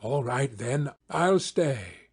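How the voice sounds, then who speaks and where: A man voicing a proud, anxious gentleman baronet in an audiobook, formal and a little plaintive. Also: mid-range voice, expressive, drawn-out words, husky, heavily acted. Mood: grudging. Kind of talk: audiobook character acting.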